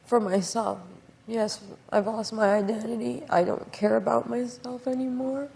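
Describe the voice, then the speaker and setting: A woman's voice: a little high, level tone, moderate pace, creaky, dark tone, slightly rough. A woman with slurred, medicated-sounding speech, talking about herself as a guest in a talk show interview.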